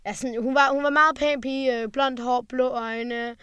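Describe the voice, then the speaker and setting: A woman's voice: high-pitched, steady tone, a bit bright, clear, resonant tone, muffled recording. A young woman chatting casually and hesitantly, with many fillers and restarts. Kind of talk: casual chat.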